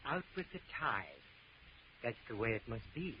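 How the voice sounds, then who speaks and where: A man's voice: mid-range voice, sing-song, normal speed, lo-fi sound, close to an everyday voice. Actor as a menacing gunman on noisy old radio. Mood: cold threat. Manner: curt, commanding, threatening. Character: menacing murderous seafaring gunman, cold and threatening. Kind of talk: 1940s radio drama acting.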